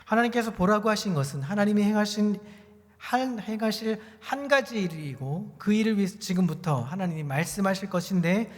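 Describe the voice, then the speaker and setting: A man preaching a sermon as pastor, earnest and measured, slowing down to stress key words. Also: high voice, lively intonation. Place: church sanctuary. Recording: church hall with long reverb.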